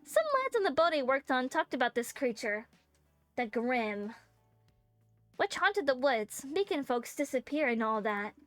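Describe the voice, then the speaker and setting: A woman voicing a boastful old male sailor who tells a tall tale slowly. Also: high voice, lively intonation, no echo, soft background music.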